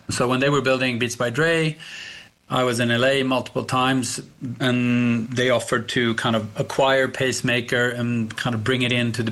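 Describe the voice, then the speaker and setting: A middle-aged man whose first language is Swedish, a company founder reflecting on his past as a radio interview guest, halting now and then with restarts. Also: medium pitch, vocal fry, a bit bright. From Sweden.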